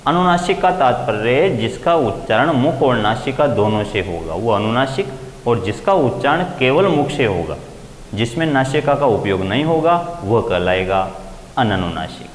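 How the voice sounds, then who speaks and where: A man teaching Sanskrit grammar in a classroom lecture, explaining slowly and deliberately, and acting out quoted voices with big swings in pitch. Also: a little hiss or hum. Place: coaching classroom. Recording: echoey room with faint ambience.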